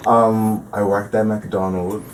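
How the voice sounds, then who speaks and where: A man's voice: on the low side, level tone, slow pace. A young man hosting a casual student radio interview, chatty and upbeat, laughing often. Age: young adult. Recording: distant mic, faint background noise.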